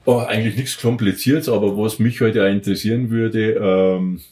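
Hesitant Bavarian man, low voice. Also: steady tone, moderate pace, dark tone, roomy sound. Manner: hesitant, with many fillers and restarts. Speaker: podcast guest, athlete. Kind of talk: casual interview talk.

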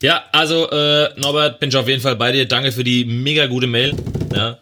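Man, podcast co-host, casual chat, rambling, bright tense tone. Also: mid-range voice, steady tone, normal speed. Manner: rambling, lots of fillers and restarts.

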